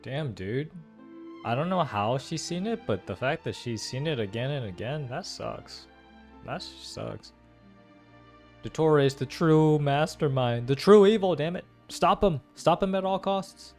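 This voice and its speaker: Male gaming creator, lively varied pitch, exclamatory, musing aloud, reaction commentary, faint music behind. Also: a little slow. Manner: animated, exclamatory, muses aloud. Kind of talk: reaction commentary on a game story.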